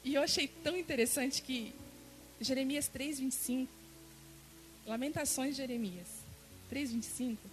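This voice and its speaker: A woman's voice: high voice, moderate pace, pauses often, soft background music, poor audio. A woman pastor from Brazil preaching a sermon in church, emotive, repeating words for emphasis and acting out her own prayers. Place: church service.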